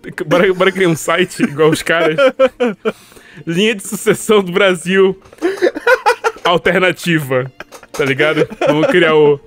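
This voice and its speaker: A man's voice: fairly high pitch, measured pace, long pauses, fairly bright tone. A man co-hosting a casual podcast, laid-back and dry in his replies. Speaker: podcast co-host.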